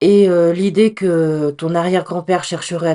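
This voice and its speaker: Her voice fairly low and her intonation fairly even, a woman speaks in a dark, mellow tone. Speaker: storyteller youtuber. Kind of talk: commentary on listener stories; video outro. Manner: hesitant, with fillers.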